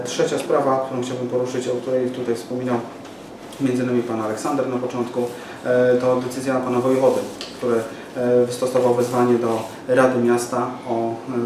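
Man, 40s, halting press statement, flat delivery, roomy distant recording. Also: medium pitch. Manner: hesitant, many fillers and restarts. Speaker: local party activist at press conference. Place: small office room with window. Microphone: far camera mic. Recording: echoey room from far off, noisy.

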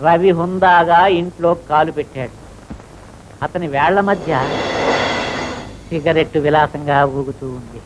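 An actor plays a writer reading out his own story in a declamatory manner. The voice sits slightly high, with a faint hiss on the old film track. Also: steady tone, a little slow, long pauses, natural voice. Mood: declaiming. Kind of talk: dictating a story aloud.

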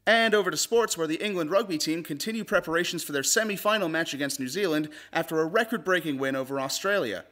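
A man giving a polished, clearly presented scripted read in the style of a commercial or news host. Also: on the high side, fast talker, few pauses, sharp tone. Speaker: voice actor, comedy news host.

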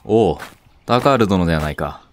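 A man's voice: sits low, expressive, moderate pace, a little hiss or hum. A man playing a proud, fatherly samurai castle lord in a period voice drama, speaking in an archaic, lordly way. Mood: warm, stately. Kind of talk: Japanese period voice drama acting.

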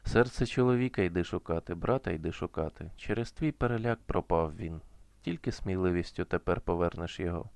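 A man voicing a grieving, stern old mother in a folk tale, in a plain, unhurried reading voice with little change from his own. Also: low voice, vocal fry, a little mellow, no room sound.

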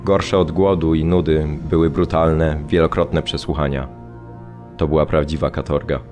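Sombre ex-prisoner, extremely low voice, measured reflective radio drama monologue, music behind. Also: male voice, little pitch movement, darkish tone. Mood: grave, reflective. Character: sombre male Polish former political prisoner recalling prison.

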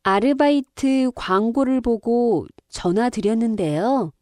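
A woman reading a scripted listening-test dialogue, slowly and with careful enunciation. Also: fairly high pitch, a little mellow, dry recording, clean studio sound. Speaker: dialogue reader on a Korean listening exam.

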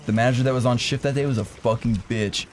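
A young man hosting a casual chat, telling a crude, animated story with lots of laughter. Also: mid-range voice, fast talker, slight background noise. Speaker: podcast host.

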